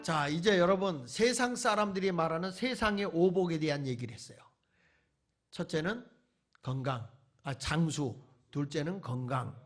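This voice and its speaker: A man's voice: on the high side, moderate pace. A male pastor preaching at a church revival meeting, firing rhetorical questions at the congregation and mixing in folksy humor. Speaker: pastor, guest revival speaker. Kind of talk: sermon.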